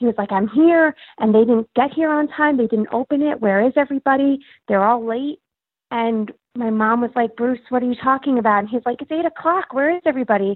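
Here a woman speaks at a high pitch. Her pitch varies in an ordinary way. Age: 20s. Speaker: runner sharing personal story. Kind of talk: personal testimony.

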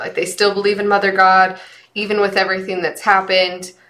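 Noticeable background noise behind a woman talking fairly quickly in a medium pitch. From US, raised in mainstream LDS community. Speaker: podcast co-host. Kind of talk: casual chat.

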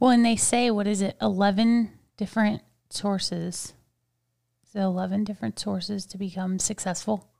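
On a very clean recording with a silent background, a soft-spoken woman uses a dark, mellow tone at a medium pitch, moving at a moderate pace with monotone, flat intonation. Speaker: podcast co-host. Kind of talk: casual chat. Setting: studio.

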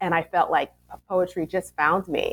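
A woman with an American accent has an unremarkable speaking voice, medium in pitch and moderate in pace. The recording is very clean, dry and close, with a silent background and no echo. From Brooklyn, New York. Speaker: poet and educator. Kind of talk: interview.

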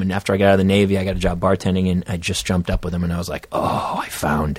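A man with a New England accent speaks at a very fast pace. Noticeable background noise sits behind him. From New Hampshire. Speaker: comedian and actor. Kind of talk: casual chat.

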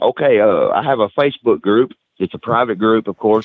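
Someone speaks at a very fast pace with a Southern US accent. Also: man. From Tennessee. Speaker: former pro wrestler and action figure maker. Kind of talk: casual chat.

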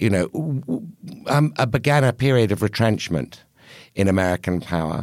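A man with a fairly low pitch and lively intonation speaks at a moderate pace on a very clean recording with a silent background. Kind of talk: casual panel discussion. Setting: studio.

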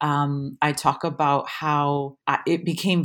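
A woman speaks with a Hawaiian accent. The recording is very clean, with a silent background. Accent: Hawaiian American English. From Hawaii (Waimea, Big Island). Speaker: lecturer and author. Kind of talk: interview. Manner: hesitant with frequent ums.

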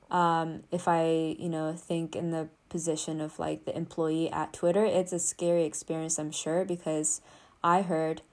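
A woman with a Japanese accent and a fairly low pitch, flat and monotone, against a quiet background. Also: moderate pace. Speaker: solo podcaster. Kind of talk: casual monologue. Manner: hesitant, many fillers.

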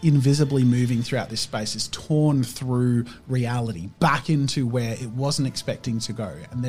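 The voice here reads in an unforced way.

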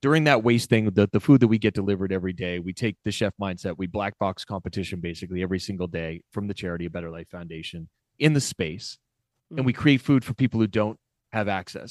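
A man talks at a fairly quick pace in an unremarkable speaking voice, fairly low in pitch with ordinary pitch variation. The sound is dry and close with no echo, and the background is quiet. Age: 40s. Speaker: social impact entrepreneur and chef. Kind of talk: casual chat.

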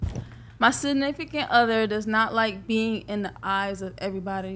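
Speaking at a moderate pace, a woman with an American accent has a fairly high pitch and a plain, everyday voice. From Fort Pierce, Florida. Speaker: reality show cast member. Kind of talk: casual chat.

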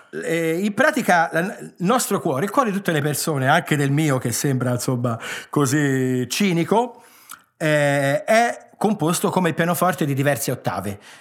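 A man with a slight Tuscan-Romagnol accent speaks at a moderate pace and fairly high pitch, his intonation lively. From Tuscan-Romagnol Apennines, Italy. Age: 40s. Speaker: guest interviewee. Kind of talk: casual interview chat.

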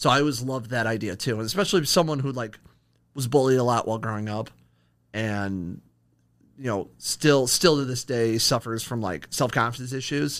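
The man speaks at a moderate pace with an American accent, an unremarkable speaking voice, medium pitch and lively intonation, in a very clean recording with a silent background. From Akron, Ohio. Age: 30s. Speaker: podcast host. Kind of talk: casual interview. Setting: studio.

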